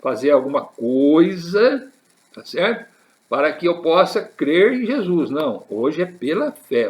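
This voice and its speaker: A man preaching a sermon, repeating his points with emphasis and addressing the listeners as brothers. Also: mid-range voice.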